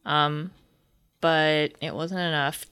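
A woman co-hosting a casual sports podcast, chatty with lively asides and fillers. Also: low voice, takes it slowly, clear, resonant tone. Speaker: podcast co-host.

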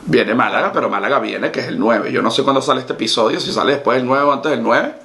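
A man hosting a podcast in casual chat, telling stories in a joking, lively way. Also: medium pitch, quick pace. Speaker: podcast host.

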